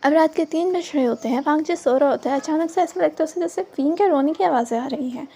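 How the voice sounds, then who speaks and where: A woman narrates her own fan-fiction story in an animated, casual way. Her voice sits high and light. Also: fast. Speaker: fanfiction storyteller.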